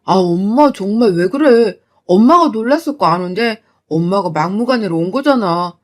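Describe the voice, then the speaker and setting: A woman's voice: medium pitch, expressive, moderate pace, lightly acted. A woman voicing a young husband pleading between his mother and his wife. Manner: pleading, defensive. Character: exasperated young husband caught in the middle.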